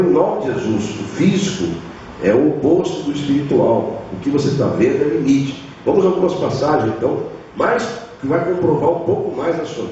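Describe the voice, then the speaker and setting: A man's voice: a little high, a little mellow, a little hiss or hum. Brazilian man preaching in an echoey hall. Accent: Brazilian Portuguese. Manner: preaching with dramatized voices of biblical figures. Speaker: pastor. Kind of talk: sermon. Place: church hall. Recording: echoey church hall, far mic, dull.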